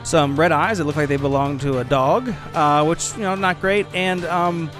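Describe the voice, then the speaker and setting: A man's voice: on the high side, fairly even intonation, moderate pace, a bit bright. A man giving a casual podcast intro and recap in an informal, conversational way. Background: music under the voice.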